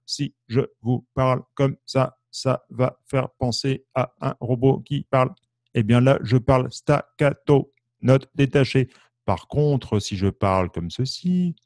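A man's voice: medium pitch, darkish tone, dry recording, clean studio sound. A man teaching an online music lesson, patiently explaining notes and answering viewers' questions, with many restarts and fillers.

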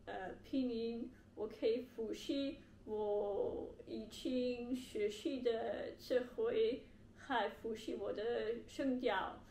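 Halting foreign woman speaking Mandarin, very slowly. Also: a little high, fairly even intonation, warm tone. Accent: foreign, non-native Mandarin. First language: not Mandarin. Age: young adult. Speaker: language learner vlogger. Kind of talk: casual talk to camera. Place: indoor living room with bare wall, on sofa. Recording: echoey room, faint background hiss.

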